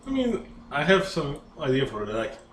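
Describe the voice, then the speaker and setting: A man's voice: on the high side, huge pitch swings, normal speed. A man playing a tabletop game, talking casually with the group about what to do. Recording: echoey room with faint background noise.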